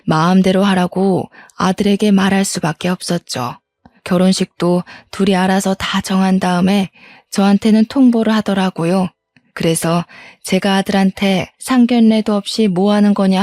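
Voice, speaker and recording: Warm-voiced woman in her sixties telling her story. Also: mid-range voice, no room sound. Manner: plain, rueful retelling. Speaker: narrator. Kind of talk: first-person storytelling.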